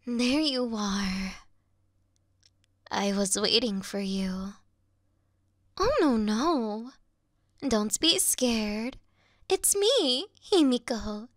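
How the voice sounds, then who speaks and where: Woman doing sweet clingy yandere game girl, really high cutesy voice, dry close asmr roleplay sound. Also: lively intonation, no room sound. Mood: eerie, possessive. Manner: cutesy, soft, drawn-out, coy.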